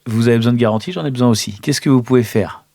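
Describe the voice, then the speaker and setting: A man's voice: medium pitch, racing, creaky, warm tone. A man playing in an improvised role-playing game, bantering casually with the others.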